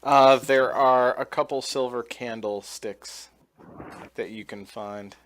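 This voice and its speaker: A man running a tabletop game as dungeon master, narrating scenes in a slow, measured way. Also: medium pitch, steady tone, a bit bright.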